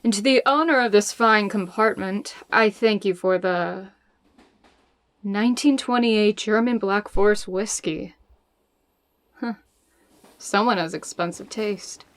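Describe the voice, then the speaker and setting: A woman's voice: medium pitch, a little slow, pauses often, dry recording, lightly acted. Woman playing a brash, world-weary spy. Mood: weary, wry. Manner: sardonic, blunt, foul-mouthed. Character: hard-drinking, brash, grieving female spy searching for lost love. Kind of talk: audio drama acting.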